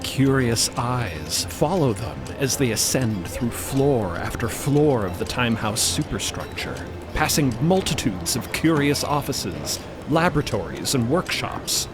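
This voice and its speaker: Animated male audio drama narrator. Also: medium pitch, unhurried. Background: music bed.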